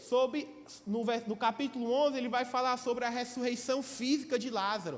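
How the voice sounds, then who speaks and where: A man talks with a Ceará accent. His tone is animated. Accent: Ceará accent, kept. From Ceará, Brazil. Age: 20s. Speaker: Bible school teacher. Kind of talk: Bible class lecture.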